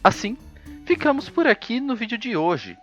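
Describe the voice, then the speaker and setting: A man's voice: very high voice, sing-song, normal speed, fairly bright tone, muffled recording, soft background music. A man hosting a history video, narrating from a script with ironic, jokey asides.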